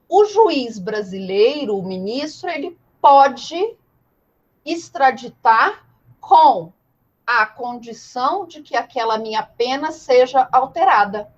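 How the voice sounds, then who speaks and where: A woman's voice: fairly high pitch, highs cut off. A woman with a Brazilian Portuguese accent giving an informal live law lecture, explaining didactically with rhetorical questions and repetition. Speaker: law teacher.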